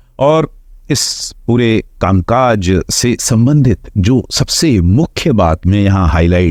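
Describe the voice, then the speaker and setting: The speaker uses a normal speaking voice with lively intonation. The sound is dry and close, with no echo. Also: man. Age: 60s. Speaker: health and weight-loss coach. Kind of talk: personal year-in-review vlog.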